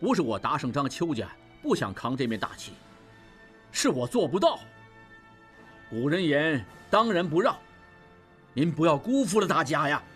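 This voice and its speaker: A man's voice: fairly high pitch, very animated, normal speed, pauses often, faint music behind. A man doing a bold young merchant heir. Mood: earnest. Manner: rallying, forceful.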